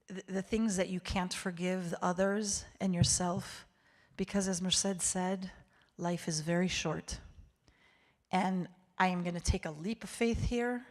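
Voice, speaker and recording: A woman who is a native Hebrew speaker, giving a heartfelt, emphatic inspirational address to a congregation as a guest speaker, repeating phrases for effect. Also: medium pitch. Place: speaking live to a synagogue congregation.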